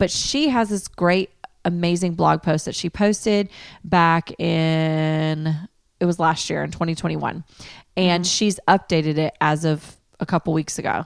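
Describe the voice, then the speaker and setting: A woman's fairly low voice with an American accent, a plain, everyday voice, fairly slow and fairly even in intonation, in a dry, close sound with no echo. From US Southeast. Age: 30s. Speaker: podcast co-host. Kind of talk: casual chat.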